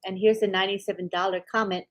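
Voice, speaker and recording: A woman's voice: medium pitch, level tone, quick pace. An older woman co-hosting a casual live-stream chat, greeting viewers in a friendly way and laughing easily.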